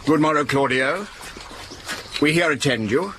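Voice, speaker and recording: A genial father of the bride, played by a man in a stage comedy. He speaks slowly with a lively, rising and falling pitch, over a clear hiss. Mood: fatherly.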